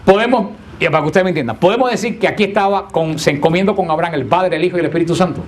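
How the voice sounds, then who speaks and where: A man's voice: sits high, racing. A man teaching a Bible class to a live group in a room, speaking conversationally and often asking his listeners questions. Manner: conversational, asks the class questions, playful teasing.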